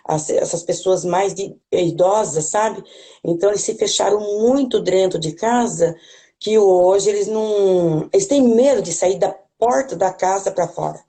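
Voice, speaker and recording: A woman's voice: mid-range voice, measured pace, warm tone. A woman with a rural Brazilian accent, talking in a hesitant way with many restarts and tag questions, speaking as a guest on a video call. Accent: Brazilian Portuguese, rural. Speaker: guest, parish worker. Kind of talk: casual conversation, hesitant.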